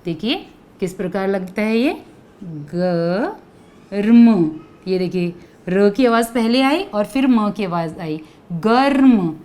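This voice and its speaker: A woman teaching young children, patient and unhurried. She speaks slowly in a mid-pitched voice and repeats each word so the children can follow. She often asks them to say the words back to her. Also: lively intonation, a little mellow. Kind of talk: children's grammar lesson.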